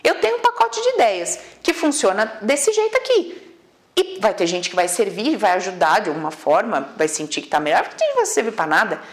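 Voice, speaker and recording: A woman with a Brazilian accent giving a casual online lesson as an emotional coach. She talks in an animated, blunt, informal way and sometimes swears. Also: mid-range voice, brisk. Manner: acts out quoted inner voices. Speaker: emotional coach teaching a method.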